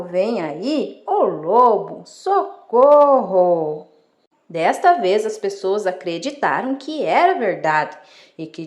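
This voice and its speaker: Slow, expressive woman storyteller. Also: medium pitch, echoey room. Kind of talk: reading children's stories aloud.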